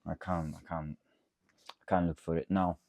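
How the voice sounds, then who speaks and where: Speaking at normal speed with a level tone, this Bulgarian-accented man has a low, darkish voice with some vocal fry, recorded without echo. As coach and host, he chats unscripted to camera in response to audience questions, wandering off a little and often adding "okay?".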